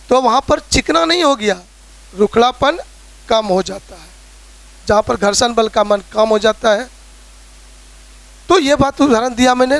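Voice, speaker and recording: A man's voice: very high-pitched, fairly bright tone. A man with a Bihari Hindi accent teaching a physics lesson, explaining with everyday examples and often checking in with his students. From Bihar, India. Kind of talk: classroom lecture.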